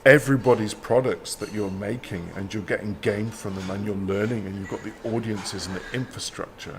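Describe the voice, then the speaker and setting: A man's voice: lowish voice, steady tone, a little fast, slight background noise. A man speaking as a guest in a casual conversation, reasoning aloud in a chatty way with many "like"s and "right?"s. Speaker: guest, professor.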